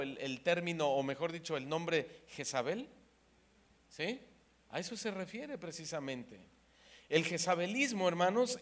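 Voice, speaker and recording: Animated Spanish-speaking male preacher. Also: high-pitched. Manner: animated, swings between loud emphasis and hushed asides; acts out quoted voices in his stories. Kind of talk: sermon.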